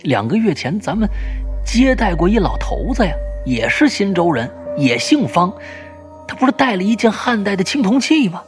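A man's voice: high-pitched, big pitch swings, moderate pace, faint music behind, pitched above the performer's own voice. A man doing a nervous antiques colleague. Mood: worried. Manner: tense and worried.

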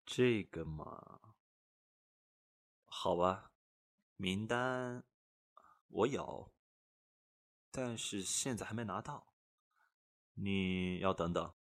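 A man playing a wary, greedy black-market broker in a radio drama, husky and hesitant. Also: sits low, heavily acted. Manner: hesitant, drawn-out, cagey. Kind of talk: Chinese radio drama acting.

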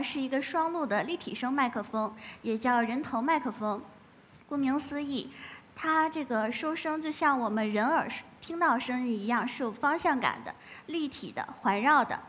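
A woman who makes ASMR, giving a lively public talk from a stage with playful asides. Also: high-pitched. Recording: echoey hall, muffled, faint noise.

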